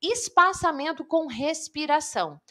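A woman coach teaching public speaking in a live online lesson, lively and talking straight to viewers. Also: sits high, measured pace. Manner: lively, addresses viewers directly.

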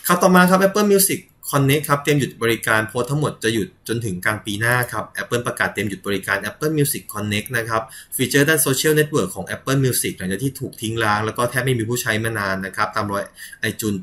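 Headlines and viewer comments fill this casual tech news show, read by a male host who leans on polite filler particles, makes small slips and laughs briefly. His mid-range voice has lively intonation and a fairly bright tone.

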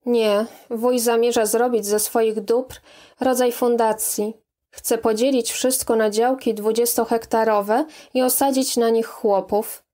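A woman's voice: a little high, steady tone, a little slow, mellow, natural voice. A woman reading the part of a hesitant, evasive young man who speaks in a soothing, careful way. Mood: reserved.

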